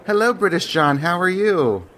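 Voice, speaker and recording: A man's voice: sits high, very animated, moderate pace, fairly bright tone, slight background noise. A man hosting a podcast, chatting casually with callers and laughing easily at their jokes. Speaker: podcast host. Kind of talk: casual call-in chat.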